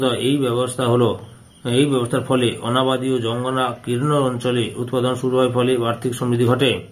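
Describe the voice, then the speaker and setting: Flat-toned male tutor. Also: medium pitch, a little hiss or hum. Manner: dictation-like, repeating answers and phrases. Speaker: history teacher solving an exam paper. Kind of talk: instructional reading of questions and answers.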